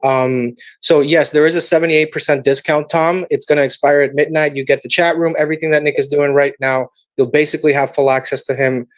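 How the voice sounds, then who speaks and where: Man pitching a trading chat. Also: flat delivery, a little fast, hardly any pauses, no echo. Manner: promotional, answers viewer questions. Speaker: webinar host. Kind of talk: sales pitch to a webinar audience. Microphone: video call.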